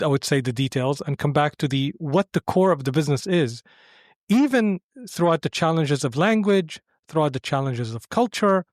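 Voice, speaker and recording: Male podcast guest from Syria, slightly high voice, conversational and explanatory, close dry sound. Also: no echo. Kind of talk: conversational interview answers.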